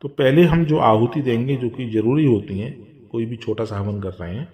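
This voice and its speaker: A man patiently explaining a home fire ritual step by step, with drawn-out chanted mantras. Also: medium pitch, dark tone. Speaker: religious instructor.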